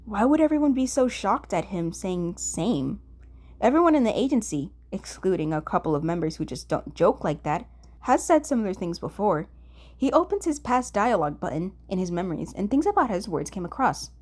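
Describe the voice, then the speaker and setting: A woman reading fan fiction aloud as an expressive audiobook narrator, at a medium pitch. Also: brisk.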